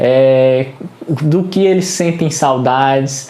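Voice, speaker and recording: A very slow pace over noticeable background noise. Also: man. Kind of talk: podcast host introduction.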